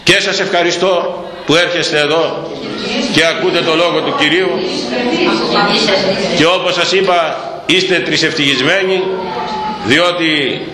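An older man, a Greek priest, preaching a sermon with fiery shouting bursts and mocking asides. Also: on the high side, fairly even intonation, pauses often, echoey room, long reverb tail, crowd noise.

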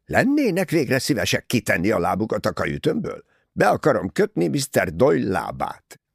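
Man acting an indignant, blustering old doctor, swooping pitch. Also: wildly swooping pitch, vocal fry, husky, dry recording, studio quality, exaggerated voice. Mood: curt, annoyed. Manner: blustering, emphatic. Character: indignant, proud older male Swiss doctor.

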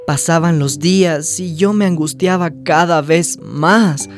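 A woman's voice: deep voice, a little slow, faint music behind. A woman playing a hopeful, sensitive young trans woman who confides her life story in a radio drama. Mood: reflective narrating. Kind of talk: radio drama narration and dialogue.

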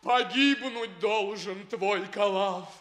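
High-voiced, noble tragic prince. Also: male voice, slow pace, fairly bright tone. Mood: despairing, tragic. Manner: lofty, solemn, lamenting declamation. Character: noble, lovelorn exiled young prince, tragic and fervent. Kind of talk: theatrical declamatory verse acting, 1960s Russian stage tradition.

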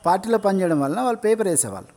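A man with a Telangana Telugu accent, talking as an interview guest. He tells stories earnestly, acting out the old dialogue. His voice sits high for a man. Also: expressive, racing, a little mellow. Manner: earnest, anecdotal, recounts dialogue. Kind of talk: storytelling in an interview.

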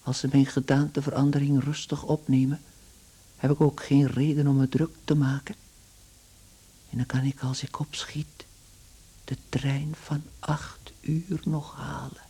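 An actor playing a travelling salesman turned insect in a radio play, meek, earnest and strangely calm, speaking slowly and deliberately. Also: medium pitch, breathy edge. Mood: anxious resolve. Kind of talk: Dutch-language radio play acting.

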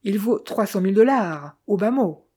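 A woman's voice: mid-range voice, lively intonation, moderate pace, dark tone, slightly rough. A woman reading the lines of a courteous young man, a jeweler's son, in an audiobook.

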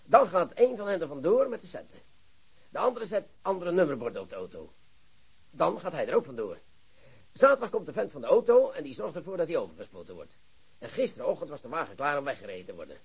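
An actor playing an excitable, boastful police chief who lectures his colleagues in a radio play. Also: a little high, fast, slightly rough, exaggerated voice. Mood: excited, lecturing. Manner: animated, theatrical, lecturing colleagues. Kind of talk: Dutch radio drama acting.

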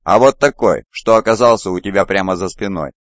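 A smug, taunting warrior, as a deep-voiced male reader puts him on. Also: brisk, no room sound, muffled recording, close to an everyday voice. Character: arrogant scarred male warrior, mocking and self-assured.

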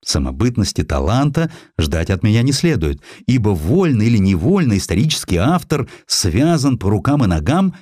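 Candid, polite military historian, performed by a male narrator, deep, reflective, audiobook drama. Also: darkish tone, no echo, clean studio sound.

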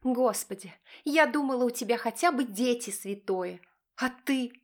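Woman reader doing a furious wife, high shrill voice, screaming and accusing. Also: normal speed, close to an everyday voice. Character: furious shrieking wife, middle-aged woman.

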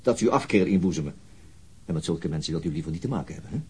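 Brisk, husky police interrogator. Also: male voice, low-pitched, expressive, warm tone, full character voice. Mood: firm, patient. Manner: insistent, probing. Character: persistent, probing male police interrogator, controlled and insinuating. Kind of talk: radio crime drama acting.

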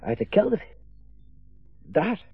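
Middle-aged father, radio drama, eager, rambling, husky, slow-paced, muffled sound with faint music. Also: high voice, very animated, no echo, exaggerated voice. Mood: proud, relaxed. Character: chatty middle-aged father proudly showing off his home. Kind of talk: naturalistic radio drama acting.

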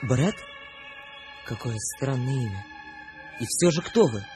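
A man's voice: mid-range voice, sing-song, unhurried. An actor playing a sensitive young man, a wary dreamer, in a radio drama, questioning and earnest. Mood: earnest, intrigued. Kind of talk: Russian radio drama acting. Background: music.

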